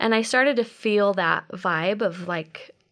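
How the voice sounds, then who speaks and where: On a very clean recording with a silent background, a woman with vocal fry and a bright, sharp tone speaks at a fairly slow pace and medium pitch, with ordinary pitch variation. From Utah, moved from Texas and New Mexico as a child. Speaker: dance coach and former professional dancer. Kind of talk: personal testimony interview.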